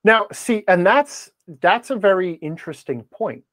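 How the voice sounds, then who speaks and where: A middle-aged man debating conversationally as a podcast guest, assertive and quick to interject with pointed questions. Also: sits high, lively intonation, a bit bright, no room sound, clean studio sound. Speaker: podcast guest, game-advice blogger.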